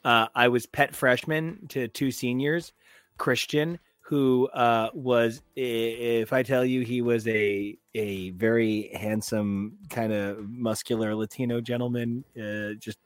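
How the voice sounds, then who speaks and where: On a pop culture podcast, a male co-host chats casually and gushes animatedly about shows, filling his speech with lots of fillers. His mid-range voice moves slowly, and the tone is clean with no echo.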